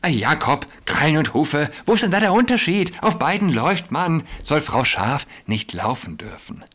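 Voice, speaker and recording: Man voicing female teacher, patronizing and brisk, higher pitch, husky. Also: very animated, a bit bright.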